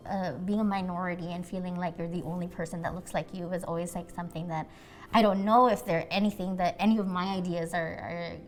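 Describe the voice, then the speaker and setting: A woman's voice: lowish voice, steady tone, brisk. A woman, a Bisaya speaker, speaking earnestly and thoughtfully as an actress in a documentary interview. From Philippines. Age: 20s.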